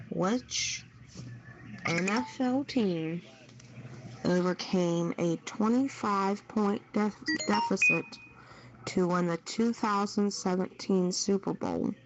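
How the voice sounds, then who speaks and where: A woman's voice: medium pitch, slow, noisy background. A woman hosting a quiz, reading out questions in an unscripted way over a muffled radio chat channel. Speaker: trivia quiz host.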